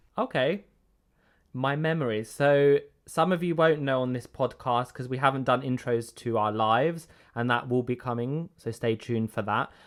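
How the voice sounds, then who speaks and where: A man speaks with an English accent at a medium pitch. His pace is moderate and his pitch varies in an ordinary way. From Greece, with years in the UK. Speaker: podcast co-host. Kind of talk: casual chat.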